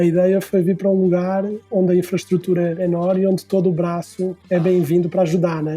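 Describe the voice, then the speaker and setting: Over music in the background, a man talks at a fairly quick pace in a high pitch. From Portugal. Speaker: startup founder and CEO, trained doctor. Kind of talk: podcast interview. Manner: casual, conversational.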